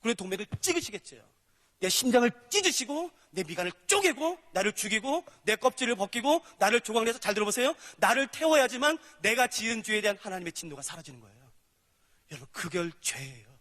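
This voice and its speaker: High-voiced animated male preacher. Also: fast, long reverb tail. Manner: animated, acts out dialogues with God and sinners. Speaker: pastor. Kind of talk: sermon.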